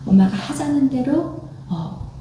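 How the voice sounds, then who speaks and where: A woman pastor with a high, mellow voice preaches in a loose, storytelling way and often quotes her own words. She sounds distant from the mic, and her voice rings through a very echoey church hall. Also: sing-song, measured pace, slight background noise. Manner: conversational storytelling, quoting herself and her family. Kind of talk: sermon. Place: church sanctuary.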